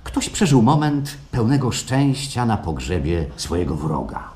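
A man's voice: on the low side, sing-song, a little slow. An actor playing an unctuous, grandiloquent salesman in a radio play performed live, persuasive and theatrical. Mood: grandiose. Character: grandiose, unctuous male salesman of engineered happiness. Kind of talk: radio play acting before a live audience. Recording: live stage recording with background noise.

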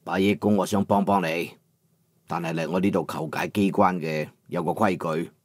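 A man voicing a calm elderly master craftsman in a Cantonese audiobook, speaking in a flat, unhurried, placid way with a Cantonese accent. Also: low voice, dry recording, pitched below the performer's own voice. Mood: calm, measured. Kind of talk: audiobook character voice.

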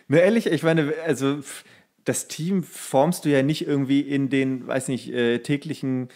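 A man's voice: medium pitch, steady tone, normal speed, darkish tone. A man co-hosting a podcast, chatting casually and humorously in a colloquial, rambling way with mock-strict asides. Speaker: podcast co-host.

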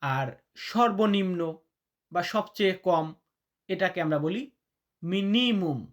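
A man teaching vocabulary in a lesson, repeating each word slowly and deliberately, chatty and calling his listeners brother. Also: high-pitched, expressive. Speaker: language teacher.

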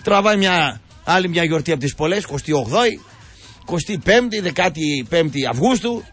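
An older man hosts a radio show, ranting with indignant sarcasm and rambling on through filler after filler. His voice sits high and sounds husky. Faint music plays under the broadcast. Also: expressive, a bit bright.

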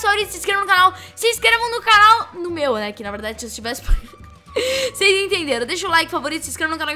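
A young Brazilian woman with a Brazilian Portuguese accent, commenting excitedly on her own gameplay and repeating her exclamations. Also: extremely high pitch. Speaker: gaming youtuber.

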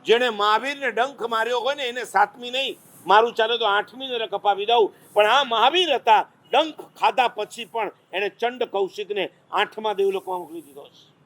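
A man preaching a sermon, telling lively stories and teasing the audience with questions. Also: high voice, moderate pace. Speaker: Jain monk preacher.

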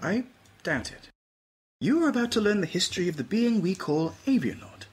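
A man voicing a towering, grave robot admiral with a slow, formal, portentous manner. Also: high voice, sing-song, voice pushed up. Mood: solemn. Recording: noisy table read room.

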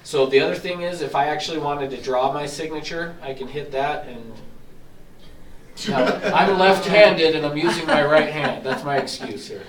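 A man training real estate agents, walking them step by step through signing software in a casual, explanatory way, a bit hoarse and clearing his throat as he loses his voice. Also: fairly high pitch, normal speed, crowd noise. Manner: explanatory, casual, self-deprecating. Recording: echoey room from far off, faint hiss.

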